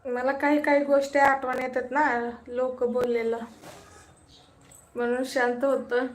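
High, slow Marathi-accented woman livestreaming. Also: flat delivery. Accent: Solapur Marathi. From Maharashtra, India. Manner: chatty, teasing, talks straight to viewers. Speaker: livestream host. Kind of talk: casual live chat reading comments.

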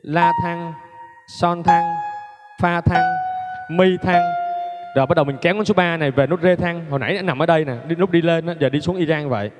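A man's voice: on the high side, fairly quick. A man giving a casual piano lesson, chatty and joking, laughing at himself between fingering steps. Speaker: piano teacher. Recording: long reverb, loud piano music.

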